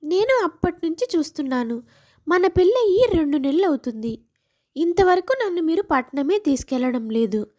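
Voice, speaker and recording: A woman's voice: high-pitched, big pitch swings, moderate pace, mellow. A woman voicing a scheming young village wife who longs for city life, in a moral story. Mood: pressing.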